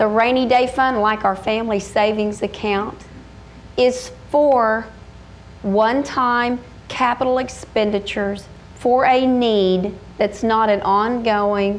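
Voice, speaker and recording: A woman with an American accent talks at a very slow pace in a fairly high pitch, keeping her intonation fairly even. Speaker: physician and state senator. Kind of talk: political discussion. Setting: stage with audience.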